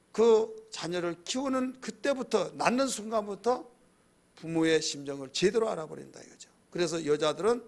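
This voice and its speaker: Male pastor with a somewhat high, gravelly voice, preaching in a chatty sermon style. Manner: conversational preaching, questions to the congregation.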